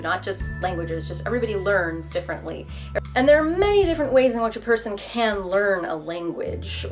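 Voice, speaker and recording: A young woman vlogger with a fairly low voice talks casually to the camera, chatty and self-deprecating, often breaking into quick voiced asides.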